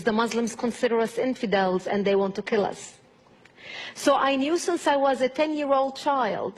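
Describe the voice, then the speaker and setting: Husky woman from Lebanon giving a speech. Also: on the high side, low-quality recording. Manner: earnest, emphatic with slow stressed phrases. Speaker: speaker at a church. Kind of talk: speech to an audience. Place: church with a live audience.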